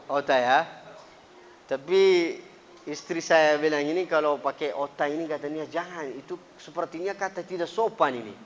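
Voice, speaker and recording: A man from an Arab country with an Arabic accent, speaking a second language as he teaches in an earnest, lively mosque sermon. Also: a little high, in a large hall, lo-fi sound. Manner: earnest, lively, rising emphatic bursts. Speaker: Quran teacher. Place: mosque hall.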